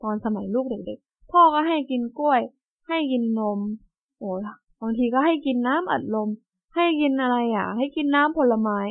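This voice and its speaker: A woman voicing a clumsy, easygoing father who talks slowly in a lowered voice. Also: animated. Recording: tinny phone-like sound.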